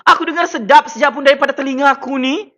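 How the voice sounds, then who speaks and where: A man with a Sabah Malay accent, ranting and taunting as a livestream political commentator on his own mic, with loud exclamatory bursts. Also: extremely high pitch, quick pace. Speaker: political commentator streaming to viewers. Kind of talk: mocking livestream rant. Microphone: personal microphone at a desk.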